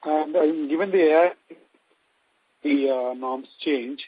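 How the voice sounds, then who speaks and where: Husky analyst on a muffled line. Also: male voice, on the high side, slow pace. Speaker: caller, financial analyst. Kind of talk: question on an earnings call. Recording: dull, dry conference call line.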